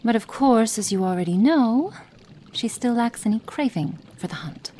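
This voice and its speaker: A woman voicing a cold, impatient female witch experimenter in an ASMR roleplay, speaking softly and partly in whispers, haughty and condescending. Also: on the high side, lively intonation, normal speed, slight background noise, natural voice. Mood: musing. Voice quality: soft, partly whispered delivery.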